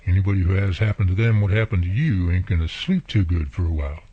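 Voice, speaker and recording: An actor as a husky, folksy country man. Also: deep voice, lively intonation, fast, no room sound. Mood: neighborly. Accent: American country. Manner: folksy, colloquial, drawling turns of phrase. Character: folksy, friendly, plainspoken country handyman neighbor, family man. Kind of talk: radio drama acting. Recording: muffled, lo-fi audio.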